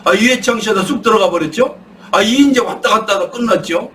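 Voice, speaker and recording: A middle-aged man giving an impassioned political talk, asking rhetorical questions and answering them himself, sometimes shouting when worked up. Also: high voice, brisk, a little hiss or hum. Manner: rhetorical, asks and answers his own questions. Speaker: guest speaker. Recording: distant mic with faint room ambience.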